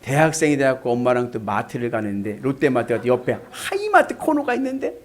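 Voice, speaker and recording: Animated Korean-speaking pastor preaching. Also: male voice, medium pitch, brisk. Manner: animated, rhetorical questions to the congregation. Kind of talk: sermon.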